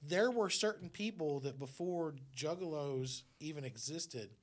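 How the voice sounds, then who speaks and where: A man's voice: on the high side, unhurried. A man in a casual podcast chat, reminiscing in an emphatic way.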